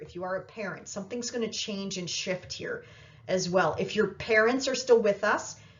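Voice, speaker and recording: A woman talks in a normal speaking voice. Her pitch is fairly high, with ordinary variation. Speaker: astrologer. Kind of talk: horoscope forecast monologue. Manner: casual, conversational.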